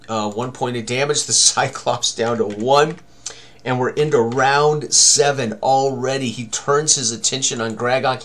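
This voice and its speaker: An older man, around his sixties, talks through a tabletop game tutorial in a casual way. His voice sits at a middle pitch, and he narrates step by step in short, clipped fragments from his seat at a computer. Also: fairly bright tone. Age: older, around 60s. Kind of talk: casual tutorial commentary while rolling dice. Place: small room indoors at a computer.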